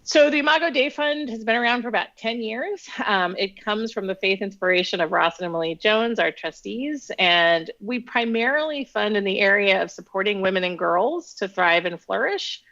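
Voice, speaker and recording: A woman introducing her family foundation on a panel, friendly, grateful and quick to laugh. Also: medium pitch. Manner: warm, laughs easily, grateful. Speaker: foundation managing partner, panelist. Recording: muffled lo-fi audio.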